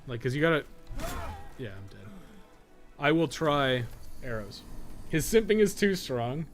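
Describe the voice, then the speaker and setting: A man's voice: mid-range voice, sing-song, measured pace, soft background music. A man doing casual live game stream commentary, thinking aloud as he plays and swearing bluntly and often. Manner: blunt, heavily profane; rambling, thinking aloud while playing. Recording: noticeable background noise.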